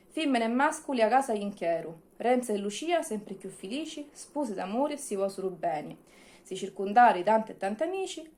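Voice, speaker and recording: A woman's voice: medium pitch, darkish tone. A woman hosting a video, talking to viewers and reading verse aloud. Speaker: video host and reader. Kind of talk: chatty vlog with expressive dialect verse reading.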